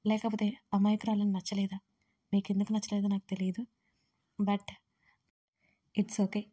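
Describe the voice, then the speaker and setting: A woman narrating an audio story with expressive reading, speaking straight to her listeners. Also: mid-range voice, normal speed, breathy edge.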